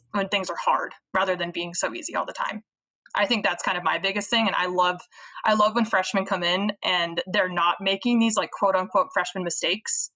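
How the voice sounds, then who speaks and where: A young woman with a bright, lively tone talks through coaching ideas in an easy, chatty way. Her speech is full of "like" and little asides, as casual podcast talk. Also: medium pitch, low-quality recording. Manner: chatty, many "like" fillers, acts out quotes. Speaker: college volleyball coach.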